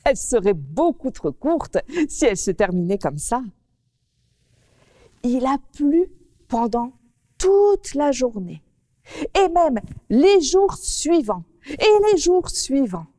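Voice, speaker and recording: Female children's storyteller: animated, unhurried, dry close sound with reverb tail. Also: high voice. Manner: expressive, animated.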